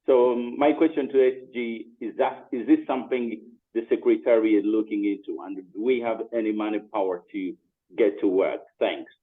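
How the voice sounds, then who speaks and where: An earnest man from Uganda speaks up in an online meeting, hesitant and filling his pauses. His voice sits a little low. It comes through a tinny, phone-like call line. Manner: hesitant with many fillers, earnest. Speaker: meeting participant. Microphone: video call.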